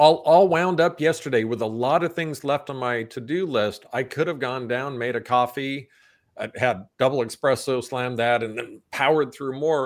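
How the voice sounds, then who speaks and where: A man talks at a moderate pace with medium pitch and ordinary pitch variation. It is an unremarkable speaking voice. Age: 50s. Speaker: author and entrepreneur. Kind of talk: interview. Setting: video call.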